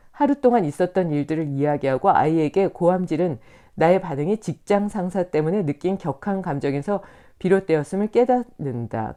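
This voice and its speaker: A middle-aged Korean woman teaches meditation in a relaxed, conversational way. Her voice is low and warm. She keeps her pitch moving and slips into little acted inner voices. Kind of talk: live-stream talk on emotions.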